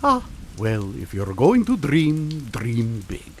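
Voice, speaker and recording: An actor playing a genial, unflappable older scientist in a comic radio drama, with breezy, politely teasing manners. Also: male voice, mid-range voice, huge pitch swings, slow pace, slight background noise, exaggerated voice. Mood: amused, breezy.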